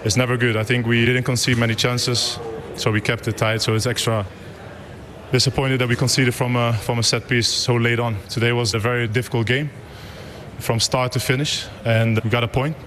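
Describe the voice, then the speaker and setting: A football captain giving a measured post-match interview. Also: male voice, mid-range voice, flat delivery, a bit bright.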